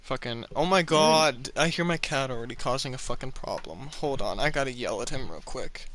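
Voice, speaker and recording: A man's voice: mid-range voice, lively intonation, fairly quick, crowd noise. A man hosting a casual podcast, cursing freely and joking while reading fan fiction. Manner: profane, joking, easily laughing. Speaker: podcast host.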